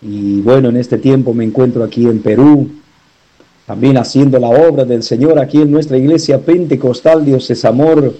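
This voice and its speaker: A man with a very dark, mellow voice and an Argentine Spanish accent, speaking as a pastor. He talks slowly and earnestly, piling up blessings and warm greetings in a recorded voice message played on the radio. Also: medium pitch, lo-fi sound. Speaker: pastor calling in.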